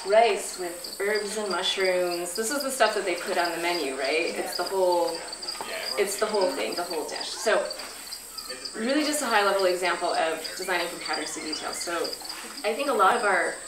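A woman in her thirties leads a class from a flip chart and keeps asking the group questions. She is picked up by a distant camera in a roomy outdoor pavilion. Steady noise and crickets sit behind her. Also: fairly low pitch, moderate pace. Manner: friendly, asks the group questions. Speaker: workshop teacher. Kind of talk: teaching a workshop class. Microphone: far camera. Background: insects and crickets.

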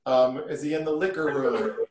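A man's voice: medium pitch, normal speed, darkish tone. A man co-hosting a casual video call discussion, eagerly tossing out questions. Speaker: co-host. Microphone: webcam on a video call. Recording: echoey room on a webcam.

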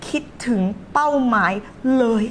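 A woman's voice: unhurried, fairly bright tone, a little hiss or hum. A woman life coach hosting a live stream, talking emphatically, scolding and teasing her viewers and reading their comments aloud. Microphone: streaming setup.

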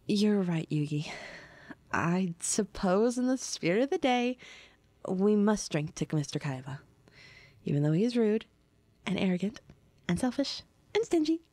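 Woman acting indignant, animated grudging spouse. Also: mid-range voice, unhurried, long pauses, dry recording. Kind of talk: fan audio drama acting.

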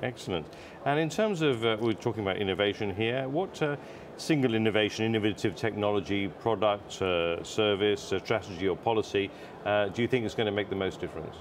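A man's voice: on the low side, lively intonation, brisk, slight background noise. A man in his forties interviewing a guest at a conference, repeating words as he builds his questions. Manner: stumbling, repeating words while forming questions. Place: exhibition booth studio set.

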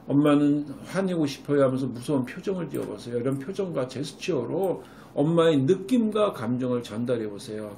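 A middle-aged man, a clinic director, lectures parents on raising children, animated, acting out what a mother might say. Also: medium pitch, vocal fry, a little hiss or hum. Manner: animated, acts out a mother's voice when quoting. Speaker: Korean medicine clinic director giving parenting advice.

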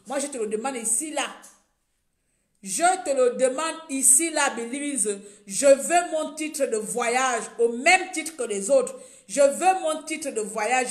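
A woman in her thirties from Gabon, ranting indignantly to her phone camera in a small room, repeating herself and growing louder. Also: high-pitched, reverberant. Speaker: vlogger. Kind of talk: impassioned direct-to-camera rant. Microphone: phone camera at arm's length.

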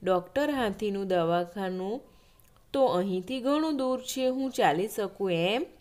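A woman's voice: medium pitch, animated, unhurried, darkish tone, natural voice. A woman voicing a little boy mouse with a stomach ache in a children's story, in a plaintive, pleading way.

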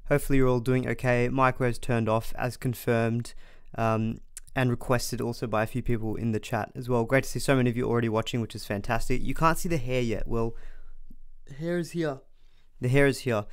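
A man's voice: medium pitch, fairly even intonation, fairly quick, smooth, no room sound, clean studio sound. A man, hosting a casual fantasy sports live stream at home, slightly congested from a cold, chatty and reading viewer comments. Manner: chatty, reads viewer comments aloud, frequent restarts.

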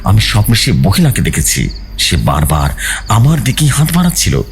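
A man's voice: on the low side, huge pitch swings, normal speed, a little hiss or hum. A man voicing a terrified, haunted young man with a pleading, fearful delivery in a horror story. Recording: music bed behind the voice.

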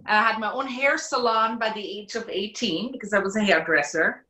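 A woman's voice: mid-range voice, a little fast, pushed and bright. A middle-aged woman from Switzerland, a guest telling her story plainly on a casual video call from home. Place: home room. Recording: echoey room on a video call.

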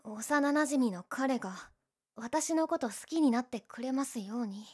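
A woman's voice: high-pitched, animated, unhurried, a little mellow, breathy edge, full character voice. A young woman playing a teasing, prickly, secretly lovestruck tsundere childhood friend in a romantic audio drama. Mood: shy, confessing. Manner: bratty teasing, flustered, emotive.

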